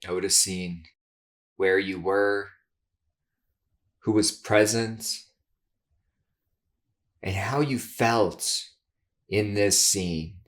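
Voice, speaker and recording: A man leading a guided meditation in a soothing, measured way, giving gentle instructions with long pauses. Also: lowish voice. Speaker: guided meditation leader, therapist.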